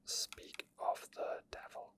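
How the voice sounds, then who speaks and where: A game streamer whispers softly and breathily the whole time, barely voicing his words, as he gives unscripted ASMR commentary while playing a video game. He speaks slowly, murmuring hesitantly and dropping in small asides.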